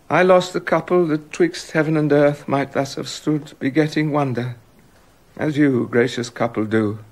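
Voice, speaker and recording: An actor playing a remorseful king in a radio drama, halting and stammering with emotion. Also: medium pitch, vocal fry. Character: remorseful king, haunted by guilt.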